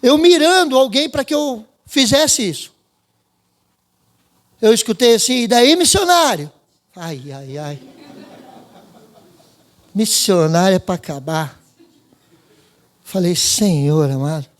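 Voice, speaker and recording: A Brazilian man with a strikingly high voice speaks to a church congregation. He reads scripture and tells his story in loose street slang, voicing the people in it himself. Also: slow, pauses often. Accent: Brazilian Portuguese. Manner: informal street slang, acts out dialogue. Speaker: preacher giving testimony. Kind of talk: sermon with personal testimony. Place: church service.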